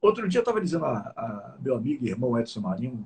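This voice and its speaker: A man is speaking. His pace is very fast. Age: 60s. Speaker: radio broadcaster. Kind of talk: interview conversation. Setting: live video stream. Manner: halting, many repeated fillers.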